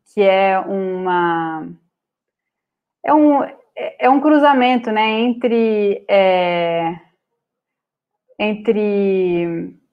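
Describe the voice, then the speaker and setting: A woman's voice: mid-range voice, highs cut off. Brazilian woman giving a talk on a video call, lots of uhs and restarts, webcam sound. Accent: Brazilian Portuguese. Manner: hesitant, many filler "é" and restarts. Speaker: guest speaker on art publishing. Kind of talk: online lecture with slides.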